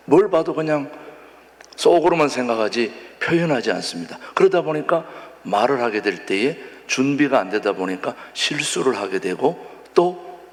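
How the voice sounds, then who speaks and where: Animated man preaching in a reverberant church. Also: mid-range voice. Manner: animated, asks the congregation questions. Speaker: pastor. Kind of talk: sermon. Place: church sanctuary. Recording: long hall reverb.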